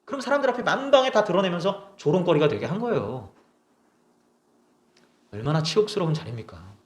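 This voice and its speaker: A man's voice: high voice, sing-song, a little fast, roomy sound. A young man preaching a sermon as a pastor, emphatic and full of rhetorical questions. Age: young adult. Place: small church.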